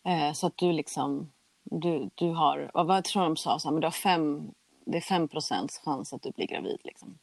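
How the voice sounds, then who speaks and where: A young woman with a fairly low voice tells a personal story candidly and casually. She acts out the back-and-forth of conversations as she goes. The sound is close and dry, like a podcast mic. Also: creaky, no room sound. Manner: candid, chatty, acts out quoted exchanges. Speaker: guest telling her story.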